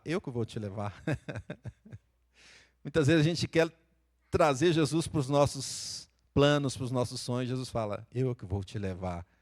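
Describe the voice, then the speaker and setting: A man with a Brazilian Portuguese accent, preaching a sermon as pastor in a church and acting out quoted voices as he tells the stories. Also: mid-range voice. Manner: lively storytelling, acts out quoted voices.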